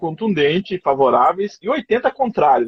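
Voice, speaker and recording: A man's lively intonation carries his speech, which moves fairly quickly. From interior of Brazil. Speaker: political journalist and editor, podcast co-host. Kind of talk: casual political discussion podcast. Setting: home office, remote recording.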